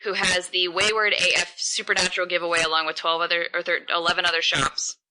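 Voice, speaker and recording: Chatty woman with a lower voice. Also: little pitch movement, bright, forceful tone, rough recording. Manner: chatty, rambling, quick bursts of speech. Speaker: podcast co-host. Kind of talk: casual chat.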